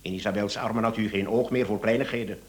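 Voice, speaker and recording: A man's voice: on the low side, steady tone, fast talker, natural voice. A man playing a shrewd police inspector in a radio drama, theatrical, probing and sardonic as he insinuates. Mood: accusing. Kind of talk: Dutch-language radio drama acting.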